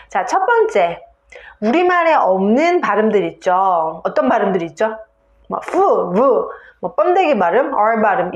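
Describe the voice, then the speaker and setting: A woman's voice: medium pitch, roomy sound, lo-fi sound. A woman English teacher giving a video lesson on pronunciation, explaining step by step and saying example words aloud.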